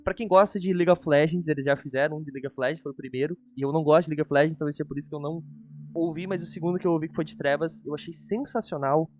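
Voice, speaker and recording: Casting: Brazilian male host, fairly high voice, casual hedging review chat, dull lo-fi sound over music. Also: steady tone, rapid-fire. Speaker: host of a reaction show.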